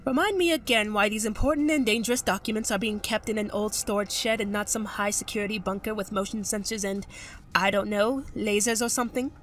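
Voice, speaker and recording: A woman's voice: mid-range voice, fairly quick, slight background noise, lightly acted. A woman voicing a clever, teasing younger brother, a boy in an audio drama, with a wry, questioning manner.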